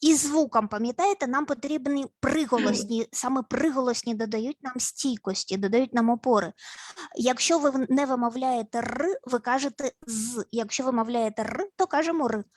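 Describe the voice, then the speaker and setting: A woman psychologist leading grounding exercises in an online session, speaking in a slow, instructive way with repeated words and playful sounds. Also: sits high, a little mellow, no room sound. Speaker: family and child psychologist. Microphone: video call.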